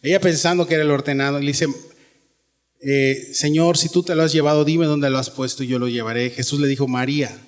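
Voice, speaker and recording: A pastor with a Mexican Spanish accent preaches in a church sanctuary. His voice sits somewhat high for a man, and his tone is earnest and conversational as he puts question after question to the congregation. A long hall reverb trails behind his words. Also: fairly even intonation, fairly quick. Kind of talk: sermon.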